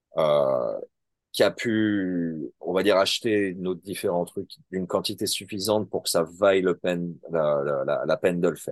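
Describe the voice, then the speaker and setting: A man speaks at a fairly slow pace in a dry, close sound with no echo. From France. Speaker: metal band vocalist. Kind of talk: interview.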